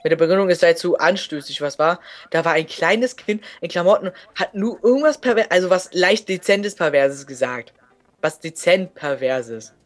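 A man's voice: high voice, expressive, moderate pace. A man co-commenting a let's play, joking and rambling in casual gaming chat.

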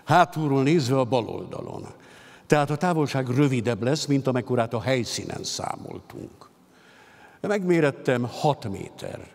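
A man voicing a composed male official who calmly lays out the steps for moving a prisoner, speaking in measured, businesslike instructions. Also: medium pitch, vocal fry. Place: concert hall stage at a literary gala. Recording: long hall reverb.

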